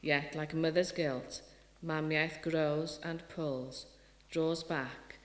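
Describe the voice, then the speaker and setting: This middle-aged Welsh woman has a low, steady voice and a slow pace as she gives a sincere festival talk and poetry reading. The hall lends a roomy echo, and her sentences often get restarted, all in a Welsh accent.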